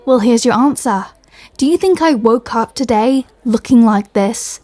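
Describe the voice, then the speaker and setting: Woman playing an exasperated superhero, higher mellow voice. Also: unhurried, dry recording, lightly acted. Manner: dry, irritated, sarcastic. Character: exasperated, sardonic superhero woman, fed up with her nemesis. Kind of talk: comedy audio roleplay acting.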